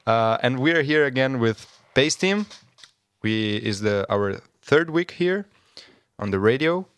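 A young man from Brazil, hosting a casual radio show in halting, English. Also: medium pitch, animated, fairly bright tone, smooth, no echo. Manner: halting non-native English with pauses.

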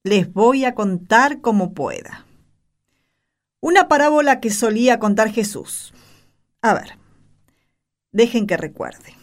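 In an amateur radio play, an Argentine woman plays a modest female disciple fondly reminiscing about her master's teachings. Her slightly high voice has big pitch swings, a slow pace and long pauses.

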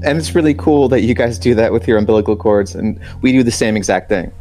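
A man speaking as an interviewee, a writer and professor, telling a family story in a relaxed, casual way. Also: fairly low pitch, fast, faint music behind.

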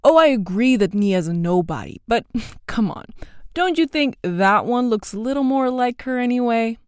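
A woman's voice: a little high, lively intonation, moderate pace, a little mellow, clean tone, no room sound, clean studio sound, close to an everyday voice. A woman voicing a mocking schoolboy bully who taunts another boy. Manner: taunting, sneering.

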